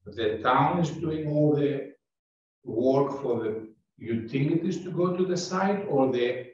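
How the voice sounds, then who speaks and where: Picked up by a distant room mic across a large meeting table, this board member's speech comes through dull and echoey. He is from Greece, Greek is his first language, and in the relaxed town board discussion he gropes for words and starts phrases over. His voice sits in the mid range, a little mellow, and he takes his time.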